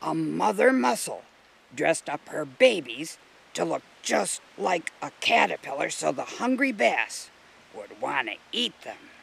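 A man as a gravelly patient nature guide. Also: a little high, measured pace, slight background noise, exaggerated voice. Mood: explaining. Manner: calm, explanatory.

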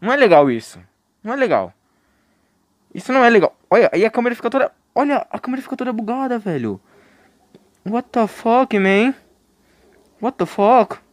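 A man's voice: very high voice, sing-song, normal speed, pauses often, no echo. Young Brazilian man yelping through a game. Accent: Brazilian Portuguese. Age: young adult. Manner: jokey, panicky yelps and screams when scared. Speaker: game streamer. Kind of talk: live gameplay commentary.

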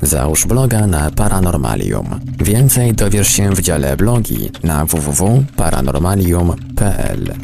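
A man's voice: low voice, very animated, a little slow, gravelly. A man reading scripted radio promos as an announcer. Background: music.

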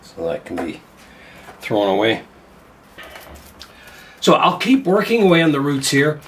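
A hoarse older man, suffering from a cold, hosts a bonsai channel, casually talking through his thoughts as he handles plants in a glass greenhouse. His fairly high voice swoops wildly in pitch, though his pace stays measured.

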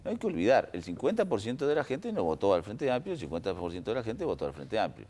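A Uruguayan man with a very low voice that still rises and falls a lot as he weighs his points. He talks in a measured panel style, pausing on fillers as he thinks. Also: huge pitch swings, a little mellow, a little hiss or hum. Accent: Uruguayan Spanish. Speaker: political analyst. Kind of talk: panel discussion.

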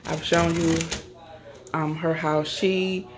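A woman's voice: low-pitched, level tone, slow. A middle-aged woman chatting casually and informally to her viewers as a home lifestyle vlogger, recorded indoors on a handheld camera. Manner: informal, addresses viewers directly. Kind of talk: casual vlog chat. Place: indoors in a house. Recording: clearly noisy home recording, clicks.

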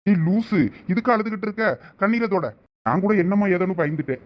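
An actor plays an affectionate young husband in a family comedy-drama, coaxing and teasing. His voice sits high for a man and he talks fast. The recording is dull and lo-fi. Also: close to an everyday voice. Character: caring young husband, a supervisor. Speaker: actor in a village family skit. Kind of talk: village comedy-drama acting.

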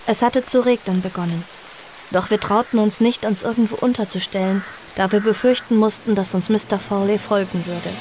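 A woman's voice: medium pitch, fairly even intonation, brisk, a little mellow, slight background noise, close to an everyday voice, low-quality recording. An actress playing an earnest, frightened girl on the run in a horror audio drama, both narrating and in dialogue. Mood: somber, tense.

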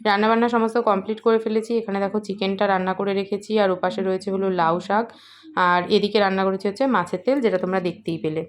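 A woman's voice: medium pitch, fairly even intonation, fast talker. A woman in her thirties narrating a casual home vlog as she does chores, her throat heavy from a cold. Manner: chatty, talks through chores, mixes in English greetings. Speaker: vlogger, homemaker. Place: home, kitchen and rooms, indoors.

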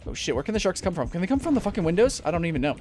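A young man commentating his gameplay at a desk mic at home, jumpy and swearing, often breaking into panicked shouts. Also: high-pitched, very animated, very fast, a little hiss or hum. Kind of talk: let's play commentary.

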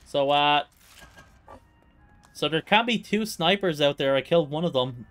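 A man's voice: a little high, expressive, unhurried, fairly bright tone, soft background music. A man live-streaming casual gameplay commentary in a chatty way, often repeating himself.

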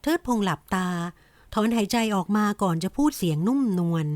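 A woman narrating a romance audiobook in an even, gentle storytelling manner. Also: mid-range voice, fairly quick, no room sound. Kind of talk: scripted romance novel narration.

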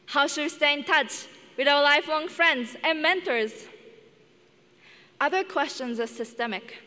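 Young woman from Japan, slow earnest delivery, arena reverb on the voice. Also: high-pitched, bright, forceful tone. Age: young adult. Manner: earnest, measured, emotional. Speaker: student class speaker. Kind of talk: commencement speech. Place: large indoor arena stage. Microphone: headset mic.

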